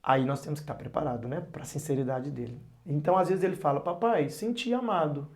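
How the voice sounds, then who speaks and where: A man's voice: medium pitch, quick pace, gravelly. A man, a pastor and psychologist, giving earnest advice as a guest on a podcast and acting out parents and children in his stories. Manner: animated storyteller who acts out parents and children; earnest, advising. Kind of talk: podcast interview talk.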